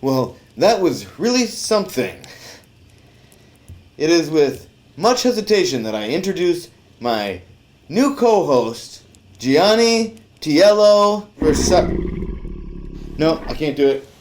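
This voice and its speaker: A man's voice: fairly high pitch, very animated, takes it slowly, pauses often, a little mellow. A man playing an exasperated, mock-formal host of a comedy cat talk show.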